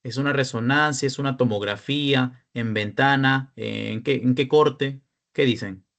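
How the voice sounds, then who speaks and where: A man's voice: mid-range voice, measured pace, vocal fry, fairly bright tone. Young man tutoring, asking students. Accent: Peruvian Spanish. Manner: explanatory, checks in with frequent questions to students. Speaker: peer tutor. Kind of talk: online class lecture.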